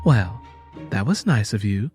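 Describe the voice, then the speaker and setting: A man's voice: fairly low pitch, lively intonation, a little slow, a little mellow, faint music behind. A man voicing a mean, patronizing old white store owner with an American Southern accent in an audiobook story. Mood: condescending, falsely cordial. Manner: patronizing, domineering, emphatic.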